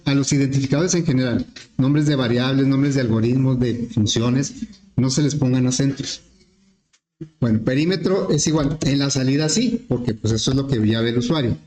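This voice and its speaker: A male teacher explaining an algorithm step by step in a relaxed lesson, with frequent fillers. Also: mid-range voice, moderate pace. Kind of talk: programming lesson. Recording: echoey classroom with faint noise.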